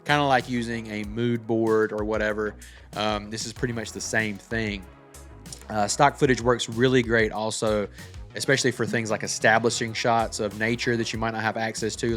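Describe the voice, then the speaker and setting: A man's voice: mid-range voice, a bit bright. Brief: male filmmaker presenting a casual behind-the-scenes breakdown, mid-range voice, faint music underneath. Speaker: filmmaker presenting a breakdown of their own short film. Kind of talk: casual tutorial talk. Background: background music.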